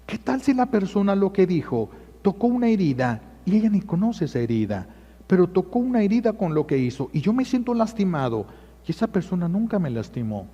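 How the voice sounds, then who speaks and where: A man's voice: sits high, sing-song, brisk, warm tone, husky. A man with a Mexican accent preaching a homily, emphatic and telling folksy stories, often repeating key phrases. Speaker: priest. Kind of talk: sermon. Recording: echoey muffled church sound.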